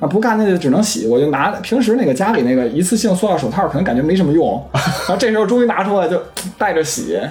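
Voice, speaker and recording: Over background music and audible room echo, a high-voiced man speaks very fast with very wide pitch swings yet very even loudness. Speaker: father of a young child. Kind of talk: casual chat.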